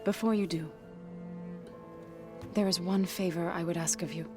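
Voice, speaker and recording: Woman acting a low, solemn tribal warrior. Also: steady tone, moderate pace, over music, natural voice. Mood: solemn, caring. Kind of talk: video game cutscene acting.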